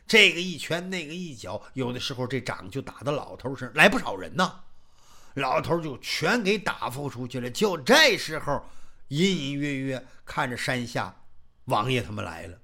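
Sex: man. Role: lively storyteller with a high, animated voice. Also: breathy edge. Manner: lively, conversational, many asides. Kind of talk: traditional oral storytelling.

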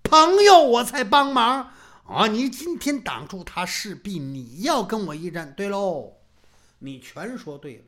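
A man voicing a playful, mocking old hunchbacked martial master who teases his opponent and breaks into shouted jokes. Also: high voice, very animated, a little slow, full character voice.

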